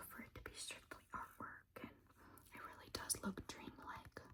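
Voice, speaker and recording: A woman whispers at a moderate pace. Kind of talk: whispered ASMR show and tell. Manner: whispered.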